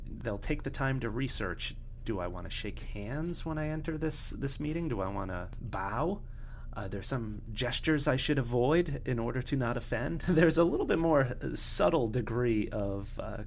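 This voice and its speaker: A man's voice: mid-range voice, vocal fry, slight background noise. A man co-hosting a podcast, introducing topics and guests in an earnest, slightly self-conscious way with fillers. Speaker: podcast co-host. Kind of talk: podcast interview.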